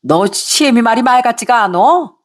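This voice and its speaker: A woman voicing an angry middle-aged mother-in-law who scolds and nags in a shrill voice. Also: lively intonation. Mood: scolding. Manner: shrill, scolding, rapid nagging.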